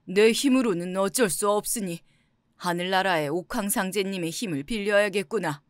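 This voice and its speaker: A woman's voice: mid-range voice, normal speed, dry recording, clean studio sound, lightly acted. A woman doing a stately dragon king. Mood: commanding. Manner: stately, giving orders. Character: commanding old male dragon king. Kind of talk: storybook character voice.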